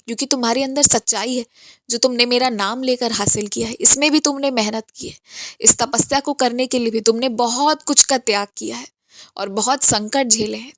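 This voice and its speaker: A woman speaking in the first person as a wise male spiritual master, gently counseling and instructing a devotee in a devotional message. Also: on the high side, no room sound, studio quality, natural voice. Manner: gentle, instructive, coaxing with a tag "na".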